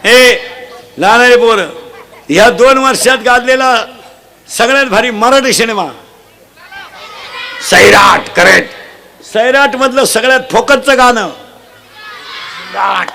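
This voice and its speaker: High, bright-voiced man preaching a comic sermon. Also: slow, creaky, pauses often. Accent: Marathi. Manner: shouts questions for children to answer back. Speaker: kirtan preacher. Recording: live event, faint crowd and noise.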